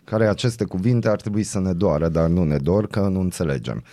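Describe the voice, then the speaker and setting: A man with a fairly low voice hosts a morning radio show, delivering the news with dry mockery. He is on a close studio mic with a very dry sound. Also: mellow, no room sound. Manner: dry, mocking. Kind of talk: casual radio banter. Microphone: studio microphone.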